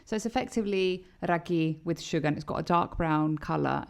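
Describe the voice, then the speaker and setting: A woman co-hosting a podcast, telling stories in an animated, casual way. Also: on the low side, creaky. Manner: animated storyteller, quick to laugh. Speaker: podcast co-host.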